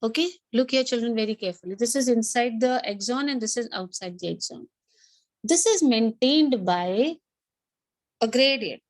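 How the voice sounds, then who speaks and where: Speaking at a moderate pace in an expressive, somewhat high voice, a woman with a South Asian accent teaches biology in an interactive online class. She asks questions, goes over points again and moves between two languages, and there is no echo.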